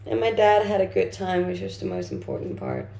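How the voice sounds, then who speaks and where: With a lowish, mellow voice that's a little creaky, a young woman from Denmark speaks slightly fast, her pitch swooping wildly. A native Danish speaker and livestream host, she chats informally while answering viewer comments. There's a roomy echo and some faint background noise.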